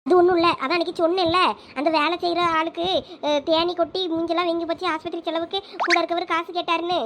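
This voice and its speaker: A performer voicing a determined young village woman in a very high, quick cartoon voice with a Thoothukudi Tamil accent. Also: flat delivery, fairly bright tone, a little hiss or hum. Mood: earnest.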